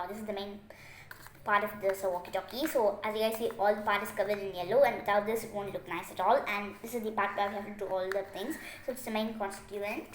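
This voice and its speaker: A woman with a fairly high voice guides listeners through craft steps in a chatty, instructive way. She often repeats her instructions. The room is clearly echoey, with faint noise behind her. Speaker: craft tutorial host. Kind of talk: step-by-step craft tutorial narration.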